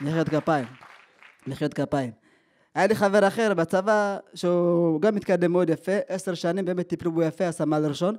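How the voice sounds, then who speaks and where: A high-pitched man at a moderate pace, with crowd noise in the background. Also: ordinary pitch variation. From Ethiopia, raised in Safed, Israel; Ethiopia. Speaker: stand-up comedian. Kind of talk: stand-up. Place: stage. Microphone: handheld.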